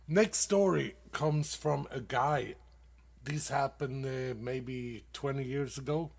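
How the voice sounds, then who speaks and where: A man from Sweden, hosting a dad-joke comedy show and laughing loudly at his own punchlines. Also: medium pitch, breathy edge. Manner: casual, calls listeners dude. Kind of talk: dad-joke stand-up on internet radio.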